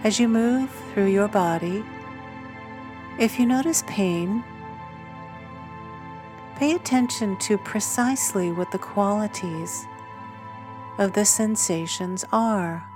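A woman leading a guided body scan meditation in a gentle, soothing manner. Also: mid-range voice, takes it slowly, pauses often, music in the background.

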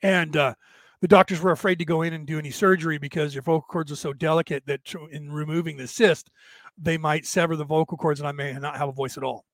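A man with a raspy, tired, worn-out voice, talking casually and haltingly as he hosts a rambling livestream and answers listeners. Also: fairly high pitch, fairly even intonation, fairly bright tone, no echo. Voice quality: raspy, damaged-sounding voice from long-standing vocal cord trouble. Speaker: host of a spiritual talk livestream.

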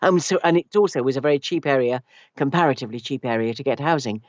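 A British woman from Wales whose first language was Welsh, speaking as an interview guest with a wry, measured way of telling stories. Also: very deep voice, a little mellow, no echo. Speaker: guest, actor and narration coach. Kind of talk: relaxed interview chat. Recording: dull lo-fi dry sound.

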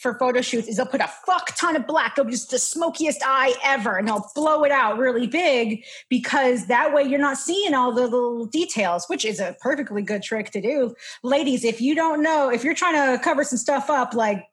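High-pitched and fairly bright, a woman in her twenties chats casually as a podcast guest at a moderate pace with few pauses. She rambles, laughs, and interrupts herself along the way.

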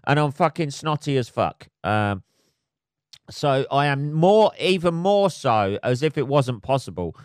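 A man's voice: mid-range voice, very animated, a little slow, darkish tone, clear, resonant tone, no echo, studio quality. A man in his forties hosting a casual solo podcast, nasal and stuffed up from a cold, rambling and swearing as he mocks himself. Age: 40s. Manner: sweary, rambling, self-mocking. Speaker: podcast host. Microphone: phone camera.

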